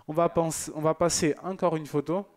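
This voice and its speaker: A man's voice: a little high, steady tone, fairly quick. Chatty man hosting a church broadcast. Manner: chatty and joking, with loose asides. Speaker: church TV presenter. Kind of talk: casual broadcast chat reading viewer messages.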